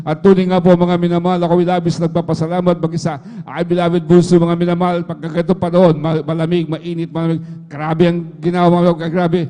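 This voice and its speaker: Middle-aged man, church testimony, high voice, dark tone, echoey church hall livestream. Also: level tone, fairly quick. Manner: fills nearly every phrase with a repeated address to the listeners. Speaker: church member giving testimony.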